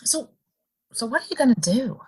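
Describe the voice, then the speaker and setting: A woman's voice: on the high side, lively intonation, moderate pace, darkish tone, breathy edge, rough recording. Lady acting a wistful young saloon girl in a western, voice goes up and down a lot, kinda hesitant. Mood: hesitant, concerned. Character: wistful young saloon woman, curious, yearning for better life. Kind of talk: Western audio drama acting.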